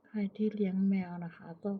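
A woman from Thailand chatting casually and politely to viewers as a pet owner, in an unhurried, coaxing manner. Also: medium pitch, steady tone, breathy edge. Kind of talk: casual chat to viewers while watching her pet cat. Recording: muffled, lo-fi, phone-like narrow sound.

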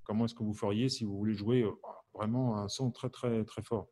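Chatty French harmonica teacher. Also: male voice, lowish voice, steady tone, moderate pace, warm tone. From Champagne, France. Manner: chatty, reads out viewers' answers by name; asks the audience questions, many fillers. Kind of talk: live online music lesson.

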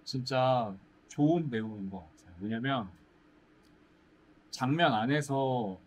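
A young man, a musical actor, chatting in a casual Q&A, pausing thoughtfully to search for words. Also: mid-range voice, a little hiss or hum, poor audio. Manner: thoughtful, drawn-out pauses while searching for words. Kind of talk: casual Q&A chat. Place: indoor stage set, seated.

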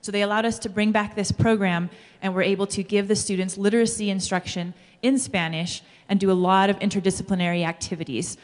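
A woman's voice: medium pitch, fairly even intonation, brisk, few pauses. Woman teacher presenting in a big hall. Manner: earnest, explanatory, uses fillers. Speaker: high school Spanish teacher. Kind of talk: conference presentation. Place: large school hall, on stage. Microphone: handheld microphone. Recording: long reverb of a large hall.

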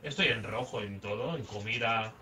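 A man from Barcelona, talking casually and quietly with a friend while they play a co-op game together. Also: on the low side, moderate pace, slight background noise. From Spain. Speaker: co-op player. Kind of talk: casual co-op gaming chat.

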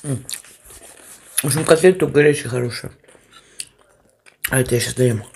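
A woman's voice: extremely low pitch, normal speed, gravelly, darkish tone, slight background noise. A woman vlogger chatting casually to camera with her mouth full, blunt and offhand, chewing between phrases. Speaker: mukbang vlogger. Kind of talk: casual chat to camera while eating.

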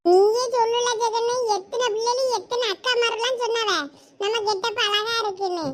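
A woman's voice: extremely high pitch, fairly even intonation, normal speed. A woman voicing a boastful, cheeky young village man in a lungi, in a comic skit. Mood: cocky. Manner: cheeky, show-off, mock-offended.

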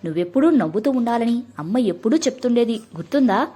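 A woman with a mellow, husky voice voicing a remarried father in a storybook reading. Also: on the high side, expressive, fast. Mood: coaxing. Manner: coaxing then curt. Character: widowed father, remarried, hurried and awkward.

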